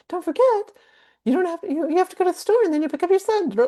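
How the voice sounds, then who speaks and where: A squeaky, put-on character voice rattles along at a very fast pace. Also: woman, extremely high pitch for a woman. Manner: quick, cartoonish, light.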